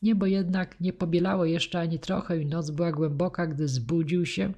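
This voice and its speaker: A woman narrating a classic novel as an audiobook in a measured, even way. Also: on the low side. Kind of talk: scripted narration.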